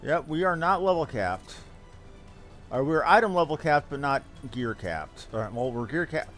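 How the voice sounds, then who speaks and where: Male game streamer, fairly high voice with animated swings, casual running commentary over music. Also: normal speed. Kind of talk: casual live gaming commentary.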